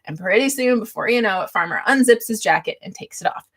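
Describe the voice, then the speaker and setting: Slightly husky woman, chatty livestream host. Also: mid-range voice, expressive, quick pace, a bit bright. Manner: chatty, laughs readily as she talks. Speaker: livestream host giving book-writing tips. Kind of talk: casual livestream teaching talk with chat replies.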